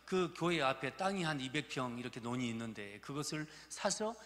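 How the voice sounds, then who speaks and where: Speaking with a Jeolla Korean accent, this fifty-something pastor from Gurye, South Jeolla, delivers a folksy sermon full of jokes to his congregation. His tone is fairly bright and expressive, pitched in the middle and moving a little fast. The sound echoes around the sanctuary, captured in a reverberant church hall.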